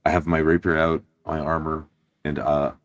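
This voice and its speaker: Very deep-voiced man narrating his character. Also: flat delivery, normal speed. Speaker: player in a tabletop roleplay game. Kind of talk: first-person action narration.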